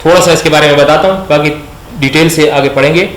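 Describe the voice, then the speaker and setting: A man teaching a grammar lesson, asking questions and slowly repeating words for his students. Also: fairly high pitch, steady tone, fairly bright tone. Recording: echoey room with faint background noise.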